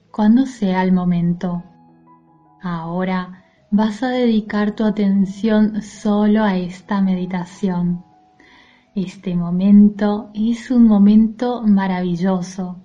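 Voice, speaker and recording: A woman leading a guided mindfulness meditation in a soothing, gentle, soft-spoken manner. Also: medium pitch, dull audio. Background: music.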